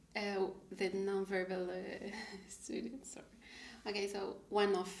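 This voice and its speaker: A woman speaks at a fairly slow pace, with audible echo in the room. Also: big swings in loudness. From Tunisia. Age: 20s. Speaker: volunteer. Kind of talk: podcast conversation. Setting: studio.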